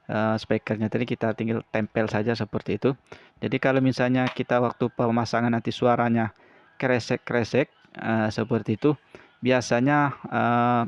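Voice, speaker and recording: A man explaining a hands-on repair step by step in an informal, halting, repetitive way. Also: mid-range voice, dry recording, dull audio. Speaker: repair tutorial presenter.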